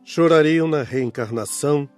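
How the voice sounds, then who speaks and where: A man's voice: on the high side, unhurried, a little mellow, faint music behind, lightly acted. A man playing a reflective spirit who shares wisdom in an audiobook. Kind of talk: scripted audiobook dialogue.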